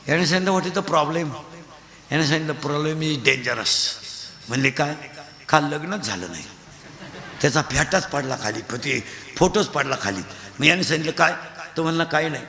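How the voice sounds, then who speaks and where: A man's voice: on the high side, pushed and bright. A man preaching a comic devotional kirtan, telling stories and mocking in acted voices. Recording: echoey hall sound.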